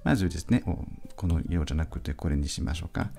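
A male teacher giving a patient pronunciation lesson, repeating each sound slowly for practice. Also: a bass voice, animated, gravelly, mellow, soft background music. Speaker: French teacher.

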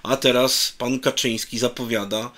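A man's voice: mid-range voice, fairly even intonation, normal speed, fairly bright tone. Middle-aged man, interview host, emphatic, long questions, webcam. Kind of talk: political interview over video call. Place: room with bookshelves. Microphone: video call webcam.

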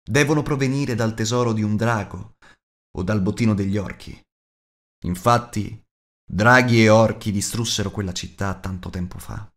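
Measured noble elf lord, read by a man. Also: lowish voice, a bit bright. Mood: solemn, instructive. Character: noble, wise, venerable male elf lord.

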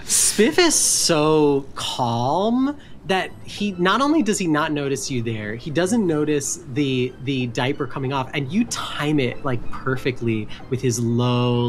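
A woman narrating a tabletop game as its game master. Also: low-pitched. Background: faint music.

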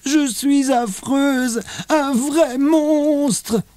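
A man voicing a stubborn, outspoken little girl in a children's audiobook, talking high and insistent. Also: very animated, mellow, no echo. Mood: panicked. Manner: high, insistent, quick when arguing.

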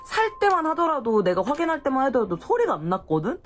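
A woman's voice: high-pitched, wildly swooping pitch, quick pace, a little hiss or hum. A young woman chattily telling a true ghost story, acting out the gasps and voices of the people she describes. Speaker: YouTube storyteller. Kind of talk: casual spoken ghost story.

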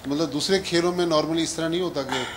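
Reporter, slightly high voice, methodical question, faint room hum. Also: male voice, steady tone, brisk.

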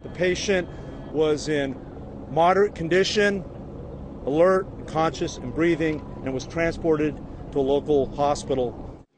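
A man giving a formal press statement as a spokesman, measured and in short phrases. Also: fairly high pitch. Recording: noisy outdoor news recording.

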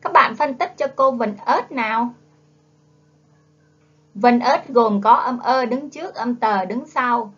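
A woman's voice: a little high, slow, pauses often, fairly bright tone, husky. A woman teaching young children to read, in a coaxing phonics lesson that urges them to repeat after her, with a Southern Vietnamese accent. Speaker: primary school teacher. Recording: dull lo-fi classroom video audio.

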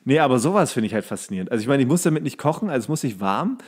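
A man's voice: medium pitch, sing-song, very fast, husky. Colloquial man bantering as podcast co-host. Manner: colloquial, coarse slang. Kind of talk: casual, rambling banter.

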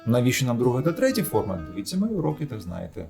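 Man teaching a lively pronunciation lesson. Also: medium pitch, quick pace, vocal fry, soft background music. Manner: explaining patiently, repeating word examples in drills. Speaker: English teacher. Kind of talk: recorded grammar lesson.

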